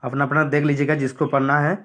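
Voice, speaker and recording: A man's voice: a little high, flat delivery, quick pace, a bit bright. A man going through a school syllabus on screen, repeating what to study and what to skip in a plain explanatory way. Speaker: teacher.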